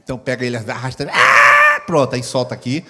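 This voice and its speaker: A man's voice: mid-range voice, fairly even intonation, rapid-fire, raised voice. A middle-aged man preaching a sermon as pastor, acting out scenes with sound effects. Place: church hall. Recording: long hall reverb.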